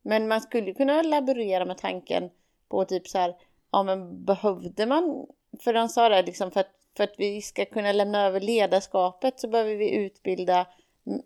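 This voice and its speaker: A woman's voice: medium pitch, warm tone. A woman co-hosting a podcast, thinking aloud in a casual reflective discussion, hesitant with many fillers and restarts. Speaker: podcast co-host.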